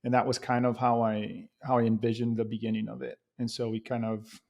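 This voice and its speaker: Laid back guy from venezuela, 40s, telling stories, says dude a lot, close boom mic in a studio. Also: a little fast, vocal fry. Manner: relaxed storytelling, lots of fillers and dude. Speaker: podcast host and guest. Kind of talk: casual interview chat. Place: studio with a bright neon sign on a plain wall.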